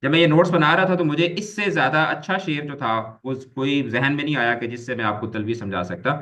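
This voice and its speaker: A man's voice: a little high, brisk, fairly bright tone. A man teaching an online grammar lecture, explaining patiently, repeating key terms and mixing English words into his explanations.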